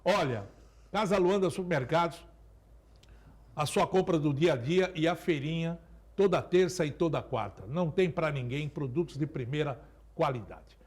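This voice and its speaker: A man with a fairly high voice hosts a sports show. He delivers a live supermarket ad like a chatty market barker, calling out items and prices with informal asides. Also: moderate pace, darkish tone. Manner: chatty market-barker sales patter, listing produce and prices.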